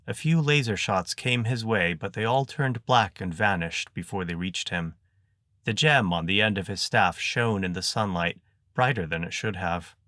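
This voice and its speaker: A man narrates an adventure audiobook in an even, measured manner. His voice sits low. The recording is close and dry with no room sound. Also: dry recording.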